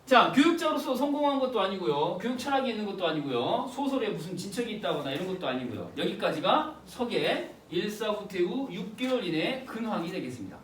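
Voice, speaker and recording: A male teacher giving an exam-prep literature lecture in an animated, slangy way, quizzing his students with rhetorical questions. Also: sits high, fairly quick, hardly any pauses. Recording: roomy, distant with faint hiss.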